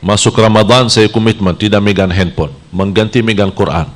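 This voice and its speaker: A man from Saudi Arabia, preaching a sermon in a lively style whose pitch jumps high when he plays out temptations. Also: fairly quick.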